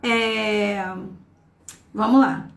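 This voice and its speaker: Uma professora dando aula online, explicando com paciência e lendo trechos em voz alta com entonação marcada, sempre checando com "tá?" e "né?". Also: female voice, on the high side, steady tone, very slow, creaky, echoey room. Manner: explains patiently, reads texts aloud with marked intonation; often checks in with "tá?" and "né?". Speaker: teacher. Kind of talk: live online class.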